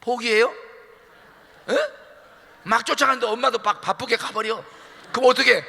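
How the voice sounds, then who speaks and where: A middle-aged male pastor preaching in animated storytelling style and teasing his congregation, in a church sanctuary. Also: very high-pitched, moderate pace, creaky. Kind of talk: sermon. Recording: long church hall reverb.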